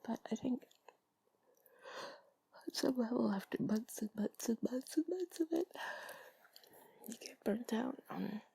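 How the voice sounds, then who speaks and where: A woman speaks in a soft, breathy whisper with a low-lit, mellow tone and a creaky edge. She rambles in an intimate, soothing, confiding ASMR manner, very close to the mic in a dry space. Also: lively intonation, measured pace, pauses often, no room sound. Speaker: intimate comfort audio creator. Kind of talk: cuddly whispered ASMR talk to the listener.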